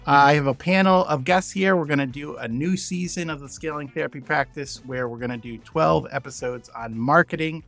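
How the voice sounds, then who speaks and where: Gravelly male podcast host. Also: on the high side, fairly bright tone, soft background music. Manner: halting, many fillers and restarts. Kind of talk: hosting a podcast panel.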